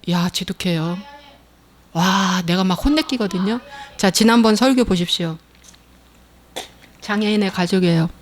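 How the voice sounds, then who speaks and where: A woman pastor preaching a fervent sermon and prayer, shouting calls for amen and then dropping to soft pleading. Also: medium pitch.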